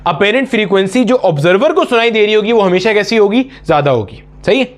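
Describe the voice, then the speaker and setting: High-voiced man teaching physics. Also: expressive, quick pace. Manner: explains step by step, asks students questions and answers them himself; calls students "beta" and "bhaiya" in a familiar way. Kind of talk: exam-prep lecture at a board.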